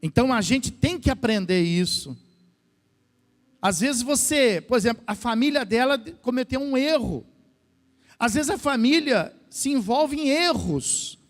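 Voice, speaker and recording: Brazilian male pastor, high voice, lively sermon with questions to the flock, long hall echo. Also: unhurried. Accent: Brazilian Portuguese. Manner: asks the congregation questions, acts out quoted voices. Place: church hall. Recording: long church reverb.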